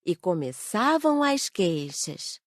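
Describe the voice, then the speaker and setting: Female student, played by a woman, animated intonation, plain telling, medium pitch, dry close audiobook recording. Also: slow, dry recording, exaggerated voice. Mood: matter-of-fact. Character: female student sharing an observation, matter-of-fact. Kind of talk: audiobook dialogue.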